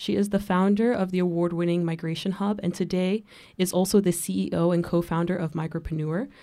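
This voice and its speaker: A woman with an American accent talks at a fairly quick pace in a fairly low pitch, an ordinary speaking voice. The recording is very clean, with a silent background. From US. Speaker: podcast host. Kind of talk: interview. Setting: stage with audience.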